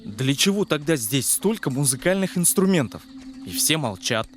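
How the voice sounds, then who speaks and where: A man's voice: on the high side, sing-song, normal speed. A man voicing a brave, impulsive boy adventurer in a fairy-tale cartoon, with a bold manner. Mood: casual, bold. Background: background music.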